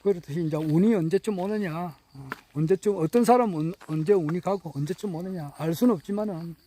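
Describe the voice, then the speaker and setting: Man, high voice, mellow tone, folksy rambling talk, frequent chuckles. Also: fairly quick, slight background noise. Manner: chuckles often, folksy and earnest. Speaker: political supporter speaking to camera. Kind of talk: casual rambling monologue.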